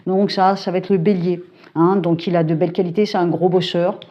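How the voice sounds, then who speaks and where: Speaking from home in a lowish, steady voice, a middle-aged psychic YouTuber has a casual talking-head chat, and the audio sounds dull. She's brisk and colloquial, with plenty of fillers and hesitations, and calls herself hyperactive.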